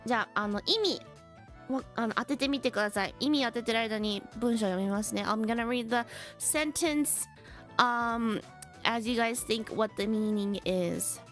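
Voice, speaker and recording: A woman streaming a bilingual English lesson, reading chat and explaining words in slow, careful English and quick Japanese, laughing now and then. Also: fairly high pitch, soft background music. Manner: chatty, laughs often, reads chat comments. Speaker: VTuber English teacher.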